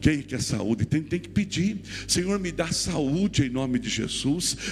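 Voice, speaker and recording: Lively in intonation, a man with an ordinary speaking voice talks fairly slowly at a fairly high pitch. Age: 60s. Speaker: pastor. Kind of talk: sermon. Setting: church.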